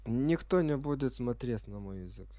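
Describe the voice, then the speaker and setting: A sick man speaking as a non-native speaker, giving halting, unsure commentary as he plays a game for the first time and reads the menus aloud. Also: medium pitch, lively intonation, warm tone, no room sound. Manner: reads game menu text aloud while puzzling over it. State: sick with a virus. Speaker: gamer playing on camera.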